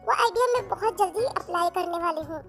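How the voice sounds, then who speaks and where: Very high-pitched cheerful helper girl. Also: fairly quick, music in the background. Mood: confident. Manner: reassuring, emphatic, childlike. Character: cheerful devoted young helper girl Lali, eager to please. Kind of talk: children's moral story character acting.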